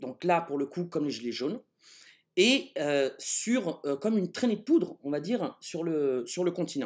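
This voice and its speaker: A man with a Marseille accent speaks at a moderate pace in a high pitch. His pitch swings very widely over a quiet background. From France, Marseille. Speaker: journalist. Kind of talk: interview. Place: home room. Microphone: webcam.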